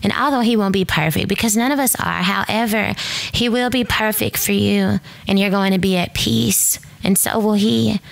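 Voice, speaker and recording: A woman's voice: mid-range voice, moderate pace, creaky, dry recording. A young woman hosting a Christian advice podcast, preaching emphatically to her listeners and calling them sis and baby. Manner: laughs and breaks into song snatches. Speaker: podcast host.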